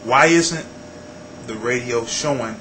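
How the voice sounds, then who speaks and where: An American man interviewing someone casually, putting his questions in a direct, deliberate way, point by point. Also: mid-range voice, pushed and bright. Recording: clearly noisy ambient recording.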